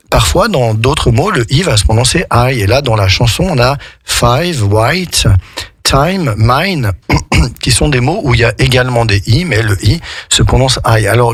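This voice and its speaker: A man's voice: mid-range voice, slightly rough, no room sound. A man hosting a radio language lesson as an English teacher, explaining in a chatty way with frequent hesitations, from a radio studio.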